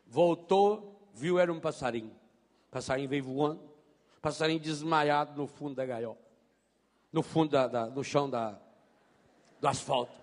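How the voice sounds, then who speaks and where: A priest preaching a sermon, telling stories in an animated way and mimicking voices. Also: male voice, fairly high pitch, moderate pace, pauses often. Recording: long hall reverb.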